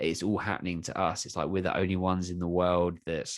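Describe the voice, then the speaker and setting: Someone with a British accent speaks in a monotone, flat intonation. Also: man, very clean recording, silent background. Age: 30s. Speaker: podcast co-host. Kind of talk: casual chat.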